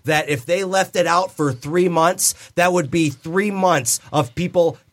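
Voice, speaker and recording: A man's voice: a little high, unhurried. A man co-hosting a podcast, making his points in an emphatic, insistent way. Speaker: podcast co-host. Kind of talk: casual chat.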